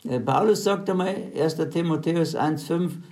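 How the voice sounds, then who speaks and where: A man's voice: on the high side, moderate pace, a little mellow. A man preaching a sermon, retelling scripture stories in plain everyday words and urging his listeners on in faith.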